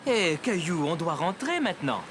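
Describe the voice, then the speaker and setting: A man voicing a patient, encouraging father in a children's cartoon, speaking in a gentle, reassuring way. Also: on the high side, big pitch swings, normal speed. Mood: helpful. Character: patient, encouraging adult father of small boy.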